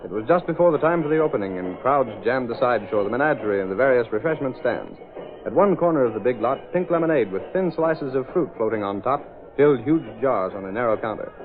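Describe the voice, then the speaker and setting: A male narrator telling a story in crisp, dramatic 1930s radio style. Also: medium pitch, expressive, quick pace, over music. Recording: tinny lo-fi old radio transcription.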